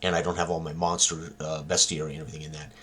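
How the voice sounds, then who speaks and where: Man, very low voice, bright and husky, halting, lots of ums. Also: little pitch movement. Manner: halting, many ums and uhs. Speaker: tabletop game designer. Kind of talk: casual talk presenting his own game.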